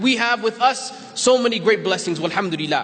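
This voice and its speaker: A man's raised, projected voice at a very fast pace over noticeable background noise. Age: young. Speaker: spoken word poet. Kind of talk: motivational talk.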